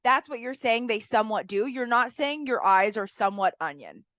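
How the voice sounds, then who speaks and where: A woman's voice: fairly high pitch, animated, normal speed, no room sound, muffled recording. A woman teacher who is sick and sounds nasal, giving chatty writing feedback and often tagging "right?" onto her sentences.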